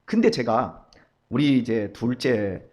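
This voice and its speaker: A man's voice: mid-range voice, takes it slowly. A middle-aged man preaching a dawn sermon, telling stories and acting out the voices of the people in them. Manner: storytelling, animated, acts out quoted voices. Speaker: pastor.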